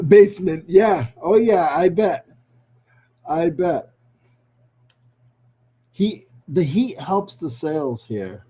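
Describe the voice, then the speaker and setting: Unhurried man with a New England accent. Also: a little high, animated, mellow, breathy edge. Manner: chatty, greets viewers by name, self-deprecating jokes. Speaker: livestream host. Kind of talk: casual livestream chat.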